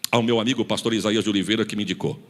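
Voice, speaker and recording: A man voicing a polished, overly courteous young male gospel singer with a lowered, formal voice, recorded in a reverberant church hall. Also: steady tone, racing, natural voice. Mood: gracious.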